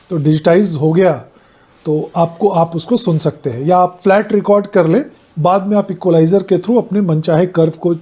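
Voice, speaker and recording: A man with an Indian accent hosting an explanatory vlog, talking in a deliberate, measured way with formal turns of phrase. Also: on the high side, dark tone, slightly rough. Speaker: host of an analogue audio channel. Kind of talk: explanatory vlog talk, switching between Hindi and English.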